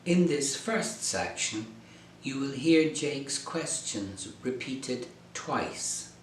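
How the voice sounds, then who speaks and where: A man working as an English tutor, narrating a scripted lesson slowly and clearly. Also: mid-range voice, lively intonation, a little hiss or hum. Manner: slow, clear teacher delivery. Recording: echoey room.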